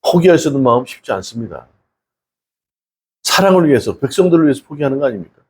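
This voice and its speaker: A man's voice: mid-range voice, very animated, fast talker, a little mellow, breathy edge. A male pastor giving a conversational sermon, asking the congregation many rhetorical questions and acting out the people in his stories. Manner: acts out quoted people in a casual spoken tone.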